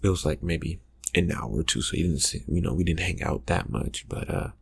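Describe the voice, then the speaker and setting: A man playing a calmly threatening vampire confronting a friend in a soft-spoken, halting ASMR roleplay, with a husky, gravelly voice. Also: exaggerated voice. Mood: quietly suspicious. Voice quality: low, husky, gravelly, often breathy. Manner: hesitant, halting, quietly insinuating.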